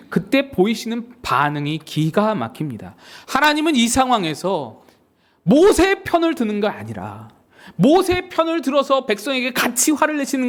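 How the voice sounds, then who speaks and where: A male pastor delivers a sermon in a high voice that swoops up and down with great liveliness. He tells his stories vividly, acting out the voices of the people in them. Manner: animated storytelling with acted quotes.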